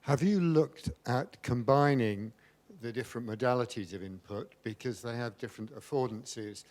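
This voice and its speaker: A man's voice: medium pitch, normal speed, darkish tone. Man asking a probing audience question. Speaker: audience member.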